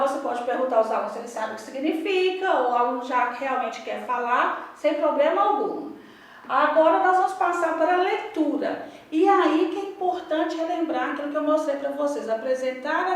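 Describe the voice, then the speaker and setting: High-voiced Brazilian woman coaching teachers. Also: moderate pace. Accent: Brazilian Portuguese. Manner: lively, models English drills aloud with varied intonation. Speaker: English teacher trainer. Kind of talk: instructional talk to teachers. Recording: echoey room, voice from a distance.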